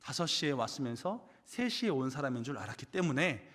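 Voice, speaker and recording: A man's voice: mid-range voice, big pitch swings, brisk, fairly bright tone. A male pastor preaching a sermon in a church, asking rhetorical questions and telling personal stories. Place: church sanctuary. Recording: reverberant church hall.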